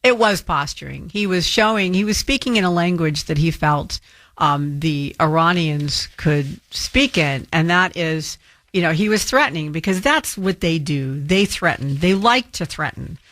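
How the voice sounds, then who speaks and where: A woman's voice: sits low, unhurried, a bit bright, dry recording. A woman filling in as a talk radio host, firmly rebutting a caller with frequent ums. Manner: firm and argumentative, with frequent ums.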